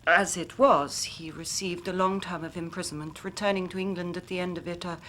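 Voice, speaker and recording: Helen Stoner, a woman playing a hushed Victorian lady. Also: lowish voice, steady tone, a little hiss or hum, lightly acted. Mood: grave. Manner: measured formal speech, drops to a hushed whisper. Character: anxious young Victorian woman, grave and formal. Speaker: client telling her story. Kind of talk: period radio drama acting.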